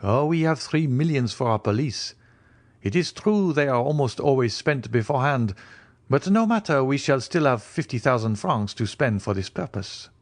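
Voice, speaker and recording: Man as a higher-pitched, urbane young gentleman. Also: expressive, moderate pace, lightly acted. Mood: breezy. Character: urbane, inquisitive, teasing young Parisian gentleman official. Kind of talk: audiobook character dialogue.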